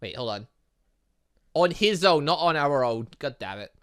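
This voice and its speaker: A man's voice: on the high side, lively intonation, moderate pace, fairly bright tone, smooth. A man hosting a let's play, commenting and reading game dialogue aloud, often tripping over words and correcting himself. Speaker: gaming channel host.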